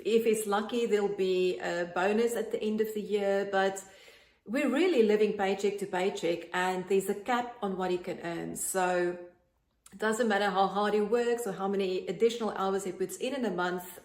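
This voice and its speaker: A South African woman in her late forties who speaks in an earnest, chatty way and often pauses on ums. She sits at a middle pitch for a woman. The room around her has a clear echo. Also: steady tone, a little mellow. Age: 40s. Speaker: online business promoter. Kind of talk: direct-to-camera pitch.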